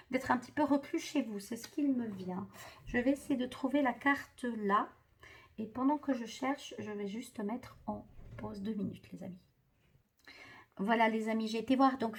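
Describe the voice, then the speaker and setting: A woman doing a spiritual card reading for viewers, hesitant and full of fillers and restarts. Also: fairly high pitch. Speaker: tarot card reader.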